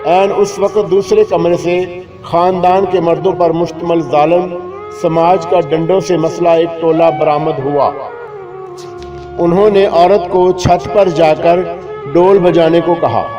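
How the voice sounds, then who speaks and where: A man reading a scripted humorous moral tale in a measured, literary, mock-solemn storytelling manner. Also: fairly high pitch, steady tone. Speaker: story narrator. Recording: dull lo-fi recording with music behind. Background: clear background music.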